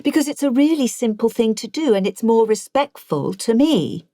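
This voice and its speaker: A frank younger policewoman, voiced by a female narrator, polite but direct. Her plain audiobook dialogue has lively intonation and a dry, close sound. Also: on the high side, normal speed, dry recording, voice pushed up, natural voice. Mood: firm.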